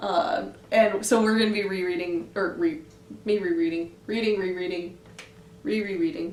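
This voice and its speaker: This woman's voice sits at a medium pitch, with lively intonation. Noticeable background noise runs behind her. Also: moderate pace. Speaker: book reviewer. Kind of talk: casual talk to camera.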